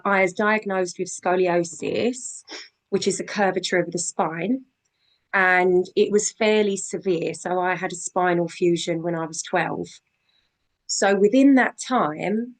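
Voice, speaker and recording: Woman guest, husky with a cold, eager, talkative, video call. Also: on the low side, poor audio. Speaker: guest sharing her story.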